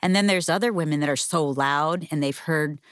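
Speaking at a moderate pace in a deep voice, this middle-aged co-host of a faith-based marriage show talks openly about her feelings with heartfelt candor. The studio sound is clean, without any room sound.

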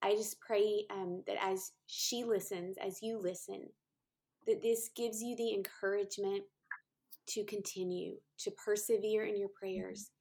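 A woman's voice: medium pitch, steady tone, measured pace, a little mellow. A woman podcast host speaking heartfelt encouragement to listeners, repeating phrases and using many fillers.

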